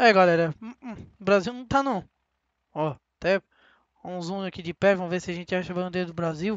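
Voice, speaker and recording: Pausing long and often, a man talks at a fairly quick pace in a high voice, with ordinary pitch variation and big swings in loudness. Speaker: gaming youtuber. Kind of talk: gameplay commentary. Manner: animated.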